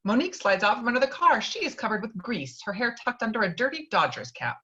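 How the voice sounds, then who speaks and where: A woman's voice: a little high, big pitch swings, fast talker, pushed and bright. Dull-sounding woman reading stage directions. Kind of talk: amateur script table read. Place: remote video call.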